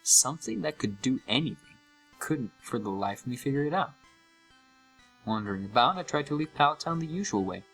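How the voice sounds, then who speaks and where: A man's voice: mid-range voice, animated, brisk, a bit bright, slightly rough, faint music behind, poor audio. A young man playing an uneasy gamer who narrates a scripted horror story with dramatic, suspenseful delivery. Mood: puzzled, tense. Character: uneasy young male gamer recounting a haunted game.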